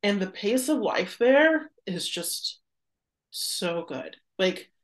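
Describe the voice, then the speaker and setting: A woman's voice: mid-range voice, animated, takes it slowly. A young American woman in her twenties chats as a guest on a podcast. Her delivery is conversational and reflective, with "like" sprinkled through her thoughts as she works them out. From United States. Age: 20s. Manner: reflective, frequent "like" as filler. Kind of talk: casual conversational interview.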